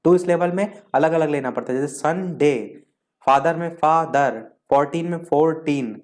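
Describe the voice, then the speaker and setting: A male teacher giving an exam revision lesson, explaining step by step and listing terms one by one, slowing down to read out definitions. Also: fairly high pitch, steady tone. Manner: slows down to read out English definitions.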